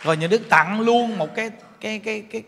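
Southern vietnamese monk telling stories, high pitched, echoey hall, faint hiss. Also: male voice, fast. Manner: lively, animated storytelling with laughter. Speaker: Buddhist monk preacher. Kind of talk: storytelling sermon. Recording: reverberant hall, faint noise.

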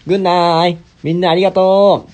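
A stage actor in his twenties hosts a casual livestream, reading out viewer comments in Japanese with a Kansai accent and slipping in simple English phrases. His voice sits high with little pitch movement, a little slow and a little mellow. He's lying on a bed in a small bedroom or hotel room, holding his phone close.

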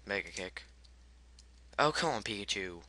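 A man's voice: on the low side, lively intonation, normal speed, sharp tone. A man commentating his own gameplay, frustrated and swearing at the game while muttering the menu choices he picks, his voice cracking. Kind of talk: let's play commentary.

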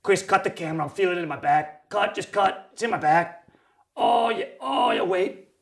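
A man's voice: high-pitched, normal speed, creaky, pitched above the performer's own voice. A man playing a groaning old tea host. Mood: pained. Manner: strained, groaning, fussy. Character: elderly male tea show host with bad back. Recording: echoey, distant.

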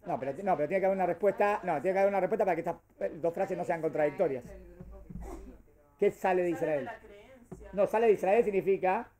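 Man, high voice; teacher quizzing his students, lively and rhetorical. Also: fast. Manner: questioning and animated, answers his own questions. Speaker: rabbi teaching a class. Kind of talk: Torah class to a group.

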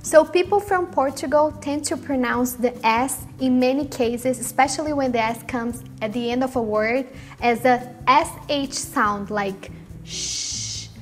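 A woman with a Brazilian accent hosting a language channel, explaining pronunciation and vocabulary clearly and demonstrating sounds. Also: high voice, a little slow, faint music behind. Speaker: language teacher and channel host. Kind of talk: scripted lesson to camera.

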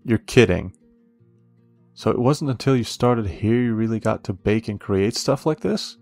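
A man's creaky voice, on the low side, brings to life a friendly young café worker in a romance audio roleplay. He's protective, curious and admiring, teasing gently and pausing with hesitation, as soft guitar music plays behind him.

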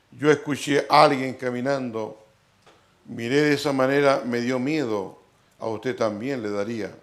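A Chilean pastor, a man, preaching a sermon in an emphatic style, dropping in frequent amens. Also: mid-range voice. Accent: Chilean Spanish.

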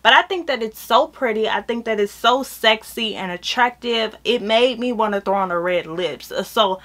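A woman's voice: a little high, normal speed, fairly bright tone. A young woman with an American accent chatting casually to camera as a beauty vlogger, with sassy, playful slang. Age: young adult. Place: small indoor room with shelves.

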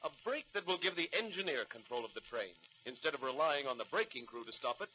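An actor playing an earnest, insistent nineteenth-century inventor in 1940s radio drama style. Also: male voice, medium pitch, expressive, fast, pushed and bright, a little hiss or hum. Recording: muffled 1940s radio recording, music behind.

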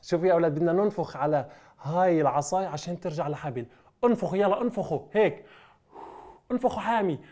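A man's voice: a little high, fast, mellow. A man, presenting magic tricks to children and leading them in call-and-response. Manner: coaxing, call-and-response with children, playful exclamations. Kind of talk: lively children's show presenting.

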